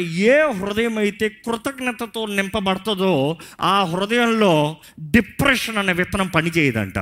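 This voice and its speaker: A man's voice: sits high, a bit bright. A man preaching a sermon as pastor, passionate and mixing in English phrases.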